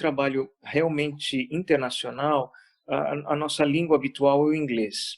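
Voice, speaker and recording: A man with a Spanish accent speaks at a fairly slow pace in a fairly high voice with fairly even intonation. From Brazil. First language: Spanish (speaking Portuguese). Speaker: Benedictine monk and priest. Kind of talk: interview. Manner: hesitant with fillers.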